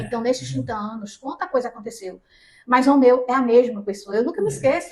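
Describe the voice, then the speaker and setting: A woman's unremarkable speaking voice, fairly high in pitch, with lively intonation and big swings in loudness. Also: fairly quick pace. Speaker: physician and radio host. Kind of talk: radio show host intro.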